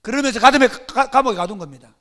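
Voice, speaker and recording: A man's voice: extremely high pitch, quick pace, bright, forceful tone. A male pastor preaching a sermon at a church service, emphatic and full of rhetorical questions.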